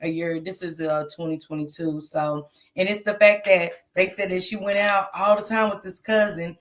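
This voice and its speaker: A woman's voice: lowish voice, steady tone, normal speed. A woman with a stuffy nose hosting a casual livestream, chatting straight to her viewers with lots of ums. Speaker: true crime commentary host.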